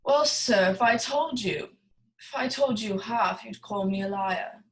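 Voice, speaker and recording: A woman's voice: mid-range voice, unhurried, close to an everyday voice, poor audio. A woman acting a jovial, wordy, scheming male crime boss in a film noir radio play, florid and theatrically genial. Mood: amused, intrigued.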